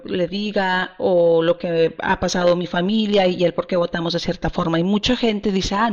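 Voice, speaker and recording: A woman from Texas, answering interview questions in an earnest, emphatic way and repeating words as she restarts. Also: fairly low pitch. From Texas, USA. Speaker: guest, party regional director. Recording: slightly muffled audio.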